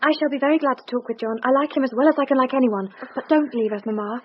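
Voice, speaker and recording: A woman's voice: high voice, fast, muffled recording, slight background noise, close to an everyday voice. An actress playing a young woman, a light and wry daughter, affectionate toward her mother, in a radio drama.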